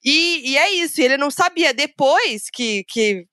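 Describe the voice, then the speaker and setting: A woman with a Brazilian Portuguese accent co-hosting a podcast, chatting casually and telling stories in a giggly, animated way. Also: high-pitched, moderate pace, no echo, clean studio sound. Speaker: podcast co-host. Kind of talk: casual chat.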